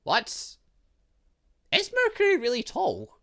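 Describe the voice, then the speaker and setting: Man, gaming playthrough commentary, lively pitch swings, bright forceful tone, casual asides. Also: slow pace, creaky. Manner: animated, breaks off into asides and exclamations. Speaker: gaming channel host. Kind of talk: gaming playthrough commentary, reading visual novel dialogue aloud with casual reactions.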